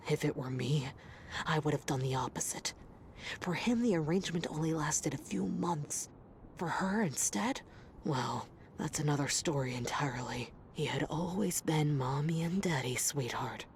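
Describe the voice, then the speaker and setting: A woman voicing a gossiping character in a video game, passing on dark secrets in a conspiratorial way that often drops to a whisper. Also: low voice, normal speed, slight background noise. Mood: hushed.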